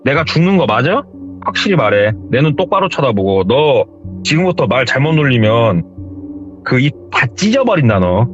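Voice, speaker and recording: A man's voice: medium pitch, sing-song, normal speed, dull audio, soft background music, lightly acted. A man voicing a belligerent, hot-tempered young tough guy who bullies and threatens, in a retold horror story. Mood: threatening. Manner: menacing, threatening and bullying.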